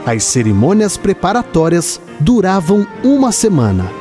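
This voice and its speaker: A Brazilian man narrating a literary radio drama in a measured, expressive storytelling manner. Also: sits high, faint music behind.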